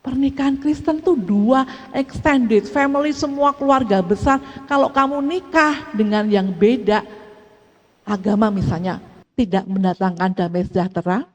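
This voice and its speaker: A middle-aged woman preaching a sermon, telling family stories with lively acted-out dialogue. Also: a little high, moderate pace. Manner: animated storytelling, acts out family dialogue. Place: church hall. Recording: echoey church hall.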